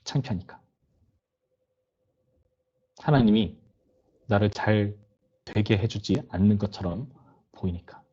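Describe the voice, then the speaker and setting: A man's voice: lowish voice, takes it slowly, long pauses, mellow, husky, highs cut off. A young man, a youth pastor, giving a conversational sermon to teenagers and voicing their complaints and questions. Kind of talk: sermon to teenagers over video call.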